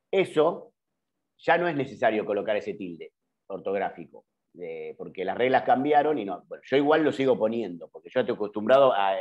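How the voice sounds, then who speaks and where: A middle-aged man with an Argentine Spanish accent teaches an online journalism class, explaining patiently with frequent "eh" fillers and self-corrections. His voice sits on the low side and is a little mellow. He's heard through a computer mic on a video call, with dull, lo-fi audio.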